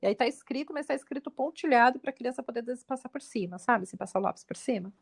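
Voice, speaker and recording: A Brazilian woman co-hosting a podcast, talking quickly in a high, bright register. She tells anecdotes in casual chat and leaps even higher when she quotes others. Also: vocal fry, slightly rough. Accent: Brazilian Portuguese. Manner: animated, jumps pitch when quoting others. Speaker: podcast co-host.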